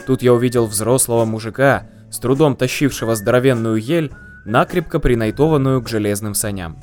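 A man's voice: mid-range voice, brisk, darkish tone. Man narrating a story over faint music. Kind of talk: first-person story narration.

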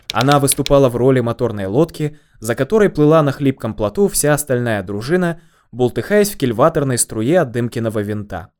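A man narrating a first-person story in a calm, deadpan way. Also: mid-range voice, background noise.

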